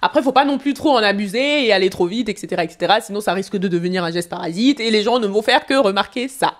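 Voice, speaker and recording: A woman's voice: mid-range voice, animated, quick pace. A woman public speaking coach commenting on a televised interview, giving advice straight to the viewer. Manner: advising, direct to viewer. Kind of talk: speech analysis commentary.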